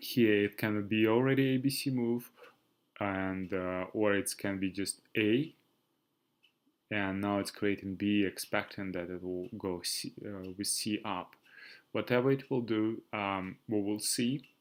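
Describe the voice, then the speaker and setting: A man's fairly low voice with a Russian accent, fairly slow pace and fairly even intonation, on a very clean recording with a silent background. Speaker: trader and crypto analyst. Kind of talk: market analysis monologue. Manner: halting, many fillers.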